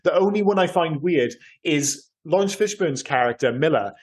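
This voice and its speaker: A man's voice: a little high, expressive, normal speed. Rambling British man on a film podcast. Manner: rambling, loose, swears casually. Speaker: podcast co-host. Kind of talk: casual film podcast chat.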